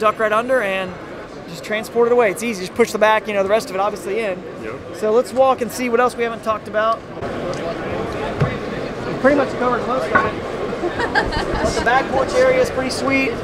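A man speaks at a fairly quick pace with ordinary pitch variation. The sound is dry with no echo, but loud background noise runs underneath. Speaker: company rep demonstrating product. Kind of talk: product demo interview. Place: hall. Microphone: handheld.

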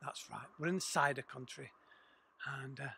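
A man with a Yorkshire accent speaks at a fairly high pitch, and the sound is dry with no echo. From Yorkshire, England. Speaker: allotment gardening vlogger. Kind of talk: casual vlog narration to camera. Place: garden. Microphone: phone near.

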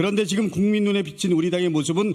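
The speaker is a man. His pitch is high. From South Korea, Anyang. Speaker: politician. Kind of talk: press conference statement. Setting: press conference. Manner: formal.

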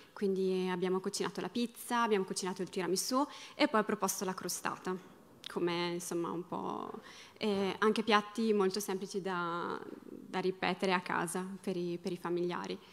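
A woman speaks at a moderate pace and medium pitch. She has an unremarkable speaking voice with fairly even intonation. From Trentino, Italy. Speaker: former European volunteer. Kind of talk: testimony. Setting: stage with audience.

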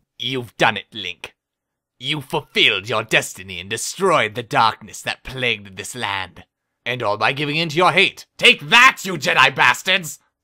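Putting on a character voice, a man speaks at a moderate pace and medium pitch on a very clean recording with a silent background. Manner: scolding, irritated.

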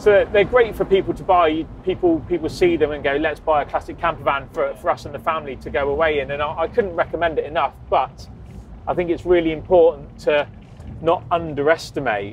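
A man speaks at a fairly quick pace with ordinary pitch variation. The sound is dry with no echo, and music plays in the background. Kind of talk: interview answer. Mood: relaxed, enthusiastic. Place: car.

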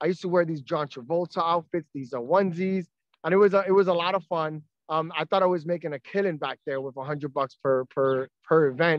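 A man with an American accent speaks at a fairly high pitch. The sound is dry with no echo, against a quiet background. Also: ordinary pitch variation, fairly quick pace. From Brooklyn, New York (Williamsburg). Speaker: city council member and borough president candidate. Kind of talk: interview. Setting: outdoors. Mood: upbeat, smiling. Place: garden. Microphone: phone near.

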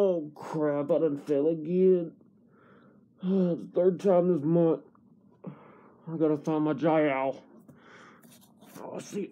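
Fairly high-pitched male speech at a fairly slow pace, with fairly even intonation and long, frequent pauses. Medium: comedy sketch. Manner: panicked, yelling.

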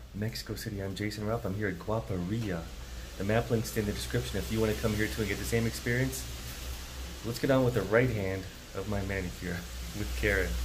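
A man's very fast speech, fairly low in pitch with very wide pitch swings, over noticeable background noise. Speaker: travel vlogger getting a manicure. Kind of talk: casual vlog chat. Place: shop. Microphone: phone near.

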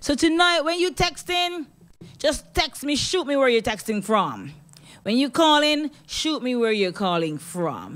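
A woman speaks at a high pitch with very wide swings in her pitch. The background is quiet. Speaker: radio talk show host. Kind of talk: radio host chat. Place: studio.

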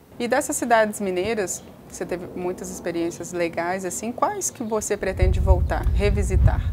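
A woman at a moderate pace, her loudness swinging widely, with noticeable background noise. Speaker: interviewer. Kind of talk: interview question. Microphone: lapel.

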